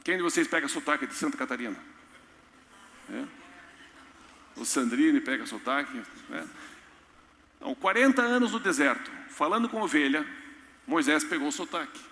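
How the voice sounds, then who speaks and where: A pastor preaches with playful energy, joking and slipping into little voices. His voice is higher than most men's and forcefully bright. Long reverb from a large church hall surrounds him. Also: normal speed, long pauses, slight background noise. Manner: animated, joking, acts out voices. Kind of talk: sermon.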